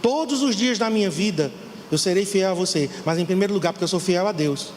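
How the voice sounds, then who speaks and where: A man's voice: sits high, fairly quick, darkish tone, in a large hall, a little hiss or hum. A middle-aged Brazilian man preaching a fervent sermon to his congregation as pastor. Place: church hall.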